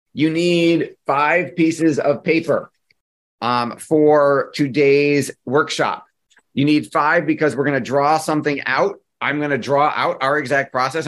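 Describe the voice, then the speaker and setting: A middle-aged man presenting a workshop as a marketing coach, speaking in a lively, conversational way and telling stories from his own life. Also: medium pitch. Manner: lively, conversational storyteller who acts out dialogue. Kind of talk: workshop presentation with personal storytelling.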